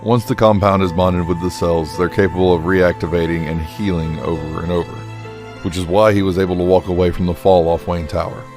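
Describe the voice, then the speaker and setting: Guy doing a low brooding vigilante detective, stern and terse, radio drama with music behind. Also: little pitch movement, a little fast. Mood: grim, analytical. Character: grim, commanding male masked vigilante detective. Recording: music under the voice.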